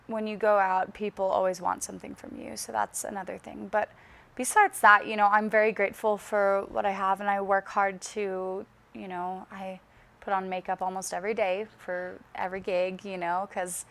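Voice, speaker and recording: A young woman singer talks through an interview in an easy, chatty way. She takes her time and enunciates carefully, with a gravelly fry running through her mid-pitched voice. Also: level tone, a bit bright. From Las Vegas. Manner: slow, carefully enunciated speech. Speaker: singer guest. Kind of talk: casual interview chat.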